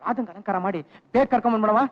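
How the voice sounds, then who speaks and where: A man's voice: high voice, rapid-fire, close to an everyday voice. An actor playing a young devoted son who earnestly reassures his family. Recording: dull lo-fi film soundtrack with faint music.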